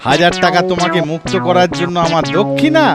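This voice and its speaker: A man voicing a clever, self-assured village jester in a comic cartoon, persuasive and calmly scheming. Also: high-pitched, quick pace, loud music behind the voice. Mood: smug, advising. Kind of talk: dubbed comic cartoon dialogue.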